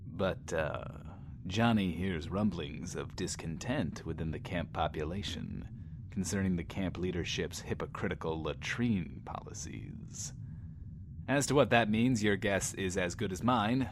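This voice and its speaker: A man's voice: low voice, a little hiss or hum. An actor playing a brash, self-loving radio DJ in a post-apocalyptic audio drama, with theatrical, wry showman patter. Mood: wry, sly. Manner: smug, theatrical, wry, refers to himself by name. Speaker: radio host. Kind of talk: in-world radio show monologue, showman patter.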